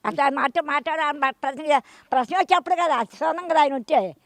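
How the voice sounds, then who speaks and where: Older woman going on and on at a street interview, high voice, dry sound. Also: fairly quick, dry recording. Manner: emphatic, rambling, repeats herself. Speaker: interviewed voter.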